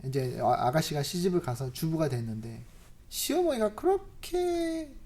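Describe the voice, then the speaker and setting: A preacher at a church service tells a story in a sermon, swinging between loud emphasis and soft asides and asking the congregation rhetorical questions. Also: medium pitch.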